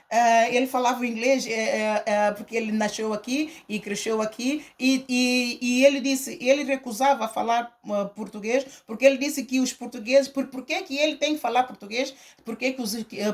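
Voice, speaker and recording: A middle-aged woman telling a personal testimony in an emphatic, repetitive way, acting out the dialogue as she goes. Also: high-pitched. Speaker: church speaker giving testimony. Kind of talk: personal testimony to a congregation, storytelling.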